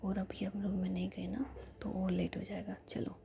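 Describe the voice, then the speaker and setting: Lady whispering as a clingy dramatic young woman, coaxing, low gravelly whisper. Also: flat delivery, normal speed, dark tone. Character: affectionate, dramatic young woman, tired and pleading.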